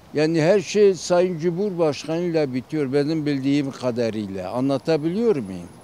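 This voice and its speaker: Barely pausing, a man talks at a fairly high pitch with very wide pitch swings. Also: moderate pace. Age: 70s. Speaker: street interviewee. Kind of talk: street interview.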